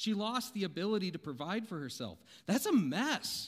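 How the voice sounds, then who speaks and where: A man's high-pitched voice at a fairly slow pace with very wide pitch swings, on a very clean recording with a silent background. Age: 40s. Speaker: preacher. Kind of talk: sermon. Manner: casual, self-deprecating with frequent laughs.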